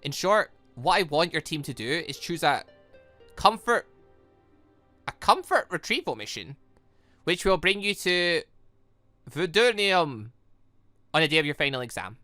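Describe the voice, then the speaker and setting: A man voicing a serious, guarded young female hunter in a visual novel, measured and matter-of-fact. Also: on the high side, very animated, bright, forceful tone, no echo, faint music behind, heavily acted. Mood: serious, subdued. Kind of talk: visual novel dialogue reading.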